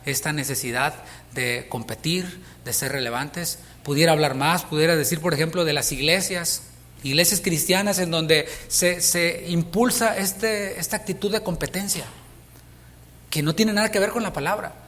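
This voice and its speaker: A man's voice: a little high, normal speed, fairly bright tone, long reverb tail. A Mexican man preaching a sermon as pastor, speaking conversationally and asking his listeners questions. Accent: Mexican Spanish. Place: church sanctuary.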